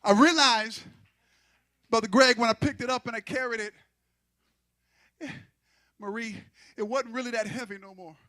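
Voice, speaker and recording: A man's voice: extremely high pitch, steady tone, moderate pace, long pauses, bright, forceful tone, dry recording, studio quality. A man preaching a sermon into a pulpit microphone, building fervor and teasing the congregation to respond.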